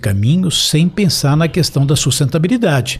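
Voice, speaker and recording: Somewhat breathy, this man's voice carries lively intonation. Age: 60s. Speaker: physician and healthcare executive. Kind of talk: podcast interview. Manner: formal.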